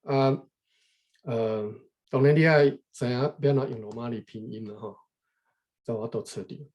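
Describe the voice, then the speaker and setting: A man from Taiwan reading a history book aloud unscripted, thinking aloud, pausing to look up words and adding frequent tag particles. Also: mid-range voice, darkish tone. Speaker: reader explaining a history book to viewers. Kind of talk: unscripted read-aloud with running commentary.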